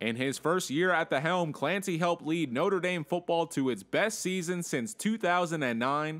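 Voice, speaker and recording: Here a man speaks at a fairly slow pace. He has a normal speaking voice with a fairly high pitch. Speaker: sports documentary narrator. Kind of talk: scripted narration.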